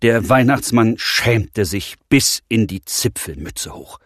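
A man's voice: lowish voice, animated, takes it slowly, no room sound, clean studio sound. A man narrating a Christmas fairy tale for children in a storytelling manner. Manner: warm storytelling.

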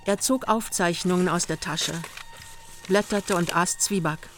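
A woman's voice: fairly low pitch, a little slow, slight background noise. An older woman narrating a radio play in clipped, terse literary prose.

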